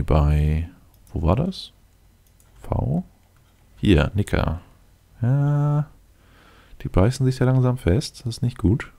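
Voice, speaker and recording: Deep, mellow-voiced man commentating a game. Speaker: let's play video host. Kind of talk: casual improvised game commentary, thinking aloud.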